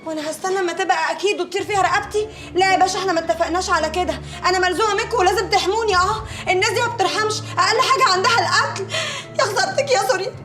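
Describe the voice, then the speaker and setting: A woman's voice: extremely high pitch, rapid-fire, roomy sound, over music. An actress playing a frightened young female police informant who speaks Egyptian Arabic, pleading and swearing oaths in a theatrical whine. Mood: wailing.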